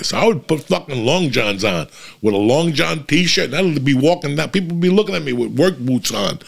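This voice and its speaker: Gravelly, foul-mouthed comic. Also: male voice, medium pitch. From New Jersey. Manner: profane, blunt storytelling. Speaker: comedian. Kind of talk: casual rambling monologue.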